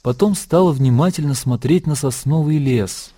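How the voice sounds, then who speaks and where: A man narrating a classic story in a measured, calm way. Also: fairly high pitch. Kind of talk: scripted literary narration. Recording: narration over background music.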